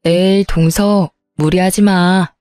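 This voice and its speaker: A woman's voice: on the low side, fairly even intonation, slow, dark tone, clean tone, dry recording, soft background music. A woman voicing an easygoing, cheerful older sister-in-law in a narrated story.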